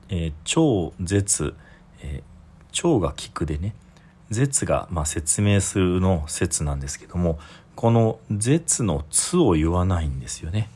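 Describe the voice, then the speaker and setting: A Buddhist priest giving a dharma talk, explaining patiently with frequent soft fillers as he goes. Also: sits low, animated, unhurried, breathy edge.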